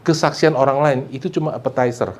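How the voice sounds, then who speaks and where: A man preaching a church sermon, mixing English phrases into his talk and swinging between loud, high emphasis and low, quiet asides. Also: fast talker. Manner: mixes English phrases into preaching, repeats "saudara" and "amin". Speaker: pastor.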